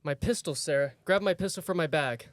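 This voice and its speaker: A man's voice: a little high, fairly quick, no echo, close to an everyday voice. Man acting an urgent protective boyfriend, dry sound. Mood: panicked. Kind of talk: amateur radio play acting.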